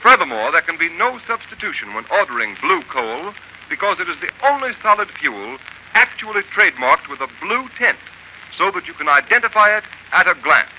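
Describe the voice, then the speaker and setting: A man announcing and reading an advertisement on a 1930s radio show in a brisk, persuasive manner. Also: sits high, very animated, sharp tone, rough recording. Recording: hissy old 1930s radio broadcast.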